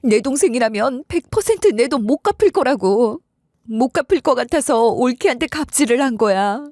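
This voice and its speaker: A greedy sister-in-law pleads in a high, swooping voice, as a woman narrator puts her on. She clings and apologizes without letting up, recorded close and dry. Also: lively intonation, normal speed, darkish tone, no room sound. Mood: apologetic. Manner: desperate, pleading.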